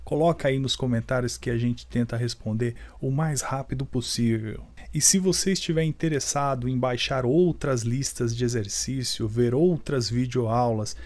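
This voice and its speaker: A man's voice: medium pitch, normal speed, a little mellow. A man with a Brazilian Portuguese accent teaching a video lesson, explaining rules step by step and asking the viewer questions.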